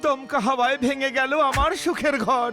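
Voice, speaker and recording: A man's voice: very high-pitched, steady tone, normal speed, sharp tone, soft background music. A man voicing a melodramatic, self-pitying male cartoon character who laments theatrically. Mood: woeful. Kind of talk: cartoon dub acting.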